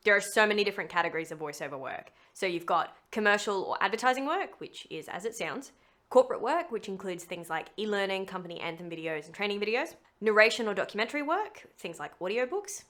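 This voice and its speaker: A woman's voice: mid-range voice, lively intonation, fast, fairly bright tone. A woman voiceover actor hosting a scripted video tutorial in a chatty, emphatic, playful way.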